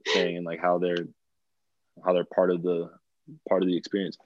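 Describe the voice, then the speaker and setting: A man's voice: deep voice, completely flat delivery, moderate pace. A young man from Bulgaria, a DJ guest on a podcast, talking casually and rambling with lots of "like" fillers and restarts. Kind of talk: casual interview chat. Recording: dull lo-fi sound.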